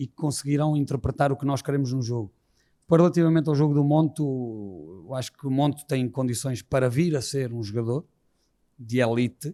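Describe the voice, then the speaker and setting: Dark and mellow in tone, a man's medium-pitched voice moves at a moderate pace with ordinary pitch variation. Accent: European Portuguese. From Portugal. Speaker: football coach. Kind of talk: press conference.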